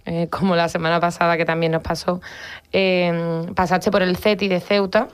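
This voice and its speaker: A woman hosts a radio show, keeping the talk moving with short, encouraging prompts. Her voice sits a little low for a woman. She speaks from a radio studio. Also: little pitch movement, moderate pace, clear, resonant tone. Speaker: radio host. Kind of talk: radio interview.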